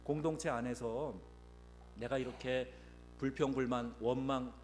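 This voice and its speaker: A man preaching a Sunday sermon as pastor, swinging from quiet asides to loud acted-out quotes. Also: medium pitch, fairly even intonation, a little slow, long reverb tail, a little hiss or hum. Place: church sanctuary.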